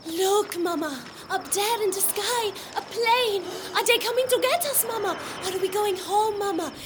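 Woman playing a shrill little girl, anxious and pleading. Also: animated, normal speed, noisy background. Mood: excited. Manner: pleading, high-pitched calling. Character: frightened, eager little girl.

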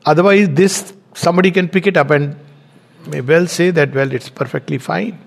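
A middle-aged man speaks in a measured, explanatory way. His voice sits a little high for a man. He talks like a teacher giving a spiritual lecture and slows down when he reads passages aloud. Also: vocal fry. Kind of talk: reflective lecture with read-out quotes and commentary.

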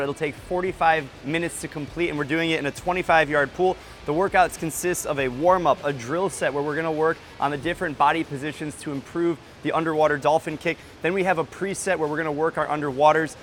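A man's voice: on the high side, fairly even intonation, a little fast, hardly any pauses, a bit bright, a little hiss or hum. A man speaking as a swim coach, giving an encouraging instructional explanation of a workout and its drills.

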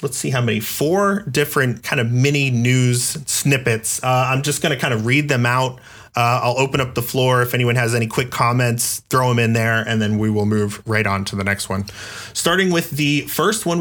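A man hosting a casual podcast, reading out community news items with relaxed fillers. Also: medium pitch. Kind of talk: casual chat.

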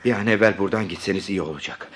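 An earnest former guard voiced by a man in an audio drama. He talks respectfully in a lowish voice, with a steady, sincere manner. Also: rapid-fire, soft background music, close to an everyday voice. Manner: deferential, earnest.

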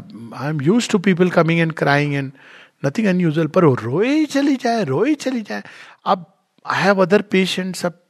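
A man's voice: high voice, gravelly. A man giving a spiritual talk, telling a story from his work as a doctor and switching between Hindi and English. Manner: storytelling, mixes in English phrases. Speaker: spiritual speaker.

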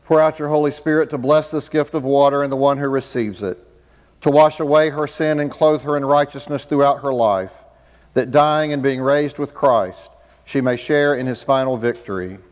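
A man leading a baptism liturgy as pastor, reading prayers in a measured, formal way, his voice echoing through a large church sanctuary. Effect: long cathedral-like reverb. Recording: booming echo of a large church.

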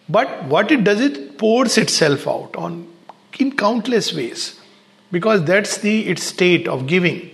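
A man giving an unhurried spiritual talk in short, pausing phrases. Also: fairly high pitch, creaky. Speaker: spiritual speaker.

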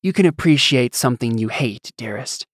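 A man's voice: medium pitch, animated, normal speed, dry recording, studio quality, close to an everyday voice. A man voicing a sultry, scheming goddess in an audiobook, with a coaxing, condescending, theatrical manner. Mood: smug. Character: sultry, scheming, languid goddess, vain wife. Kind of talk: audiobook character acting.

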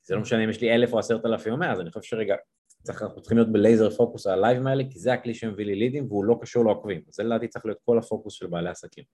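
Husky low-voiced male podcast host. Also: darkish tone. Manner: probing, cuts in to sharpen points. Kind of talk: interview podcast.

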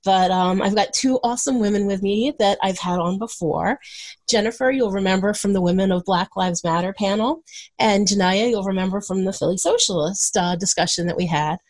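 A woman hosting an interview podcast, speaking with a scratchy, hoarse voice from a cold and an upbeat, enthusiastic manner. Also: medium pitch, a little fast, a little mellow, no echo. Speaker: podcast host. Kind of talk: conversational interview.

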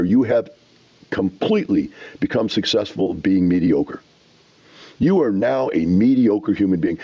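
Husky, dark-voiced male host, emphatic. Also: on the low side, highs cut off. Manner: emphatic, preachy, rhetorical questions. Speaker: radio show host. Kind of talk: animated commentary.

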